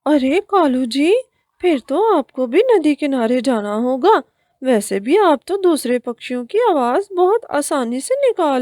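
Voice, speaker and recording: A scheming crow wife in a cartoon who coaxes and then pleads, voiced by a woman. Her voice is high and mellow and sounds dry and close. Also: no room sound.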